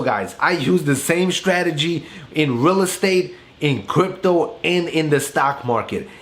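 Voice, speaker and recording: Earnest young man, slightly high voice. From Bosnia. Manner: earnest, emphatic, slows down to stress points. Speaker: finance YouTube host. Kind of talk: scripted motivational monologue.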